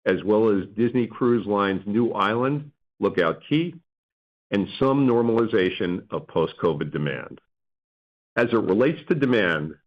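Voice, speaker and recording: Low-voiced male finance executive, dull audio. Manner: formal, reading prepared remarks. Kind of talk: scripted earnings call presentation. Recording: dull lo-fi conference call audio.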